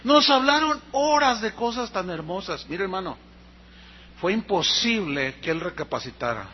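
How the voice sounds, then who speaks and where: A Mexican pastor preaching with a high, husky voice, telling his story in an animated way and giving each person in it their own voice. The recording sounds dull and lo-fi, like an old sermon tape. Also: normal speed. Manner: animated storyteller acting out dialogue.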